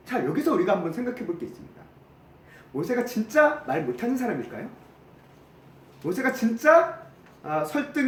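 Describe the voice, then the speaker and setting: A man preaching a sermon as pastor, animated, acting out the quoted complaints. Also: high voice, reverberant. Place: church sanctuary.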